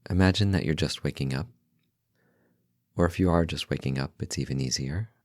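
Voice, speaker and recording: With long pauses between short, unhurried phrases, an extremely deep-voiced man calmly and gently leads a meditation for his podcast. The recording is dry and close, with no surrounding room.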